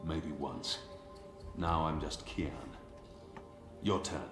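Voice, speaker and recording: Game hero: stern former warrior, deep voice, curt and grave, music underneath. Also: male voice, fairly even intonation, takes it slowly. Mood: curt, guarded. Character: stern, terse male former holy warrior. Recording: game audio, echoey, music behind.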